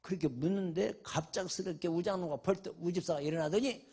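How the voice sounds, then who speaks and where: An older male pastor preaching a revival sermon, telling a story dramatically, swinging from shouted questions to a hushed murmur. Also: sits high, fairly quick, breathy edge.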